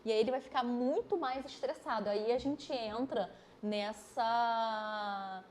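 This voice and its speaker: A woman, an osteopath and physiotherapist, explains things step by step on a podcast, with lively examples. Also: a little high, slow, a little hiss or hum. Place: podcast studio.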